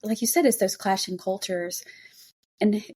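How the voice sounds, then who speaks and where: Woman, podcast host, medium pitch, effusive, casual interview chat. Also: measured pace, a little mellow, slightly rough.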